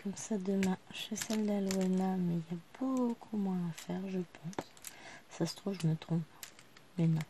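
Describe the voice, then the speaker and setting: This woman in her thirties vlogs from her living room, chatting quietly to the camera while crafting. She speaks at medium pitch and normal speed, with slight background noise.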